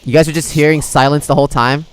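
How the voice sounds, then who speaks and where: A man's voice: on the high side, fairly even intonation, quick pace, smooth. A man livestreaming a video game in casual, slangy, chummy chat with his viewers. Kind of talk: casual gameplay stream chat. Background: game music.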